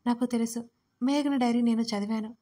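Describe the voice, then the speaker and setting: A woman's voice: on the high side, steady tone, mellow, natural voice. A woman voicing a heartbroken young wife who cries and stammers as she speaks. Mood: tearful. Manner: halting, stammering speech. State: crying. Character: young woman sobbing over her husband.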